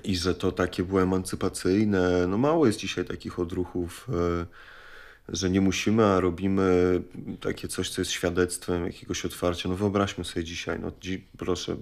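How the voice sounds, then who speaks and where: A man's voice: sits low, flat delivery, moderate pace. A man giving informal, opinionated commentary, thinking aloud and posing rhetorical questions.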